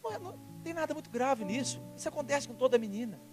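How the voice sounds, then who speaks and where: A man preaching a sermon as pastor, telling personal stories in an emphatic, lively way. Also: very high-pitched, fast, music in the background.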